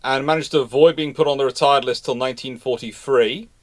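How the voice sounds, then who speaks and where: A man's voice: medium pitch, fairly even intonation, fast. A man hosting a casual live history discussion, telling stories emphatically in a rambling, self-correcting way. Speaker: livestream host and naval historian.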